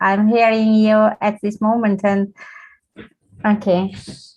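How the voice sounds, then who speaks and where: Someone speaks with a Georgian accent in a somewhat breathy voice. The pace is very slow and the background quiet. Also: woman. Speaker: English teacher. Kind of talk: self-introduction on video call. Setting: video call. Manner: halting, many hesitations.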